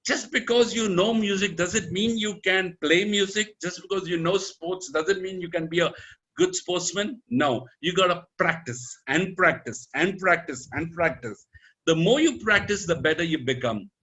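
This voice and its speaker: An Indian man in his fifties coaches an audience on public speaking with a bright, forceful voice pitched a little high. He talks emphatically and swings his pitch up and down. He drops Hindi words into his English. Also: normal speed, rough recording. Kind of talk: motivational talk.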